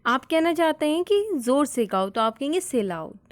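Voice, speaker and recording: A woman's voice: high voice, sing-song, no echo, clean studio sound. Patient woman teaching spoken English. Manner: repeats each phrase slowly, patient step-by-step explaining.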